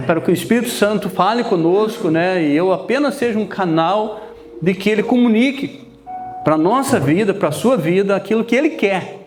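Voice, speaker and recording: Man speaking with lively intonation in a high voice, with noticeable background noise and audible room echo. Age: 60s. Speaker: pastor. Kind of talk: sermon.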